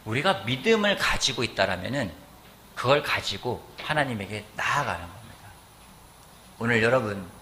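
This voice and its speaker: A middle-aged man preaching a sermon as pastor in a church, animated and often asking the congregation questions. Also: medium pitch, slight background noise. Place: church sanctuary.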